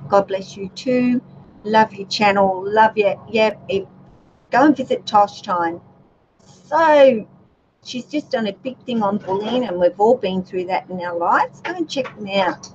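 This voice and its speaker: A woman's voice: mid-range voice, lively intonation, measured pace. Soothing woman chatting on livestream. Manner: gentle, chatty, many fillers and restarts. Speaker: YouTube channel host. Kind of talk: casual livestream chat with viewers. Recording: dull lo-fi livestream audio with faint noise.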